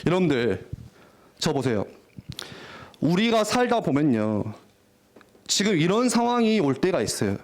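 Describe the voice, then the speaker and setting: A young man preaching a lively, jokey youth sermon in a church, often acting out teenagers' voices. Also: fairly high pitch, measured pace, pauses often. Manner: animated, jokey, acts out teen voices. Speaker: youth pastor. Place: church worship hall.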